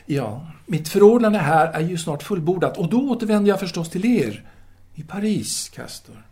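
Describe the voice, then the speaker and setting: An actor playing a courteous, restless philosophy teacher of the 1930s in an audio drama, speaking formally with hesitant pauses. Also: male voice, sits high, big pitch swings, warm tone. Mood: courteous, attentive. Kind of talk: audio drama dialogue, intimate phone conversation.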